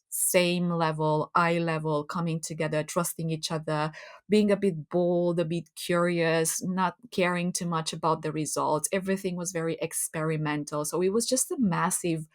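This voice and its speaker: A woman from Romania with a Romanian accent, a podcast guest speaking reflectively and earnestly, often restarting phrases and laughing. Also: on the low side. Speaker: guest, community builder. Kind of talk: podcast interview conversation.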